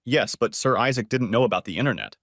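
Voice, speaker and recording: A man's voice: medium pitch, fast talker, a bit bright, no room sound, clean studio sound. A man reading as a cool young schemer.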